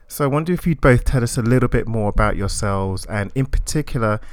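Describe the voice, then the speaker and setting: A man hosting a podcast, reading a scripted introduction and asking interview questions in a measured, polite way. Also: medium pitch, expressive, dry recording, studio quality. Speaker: podcast host.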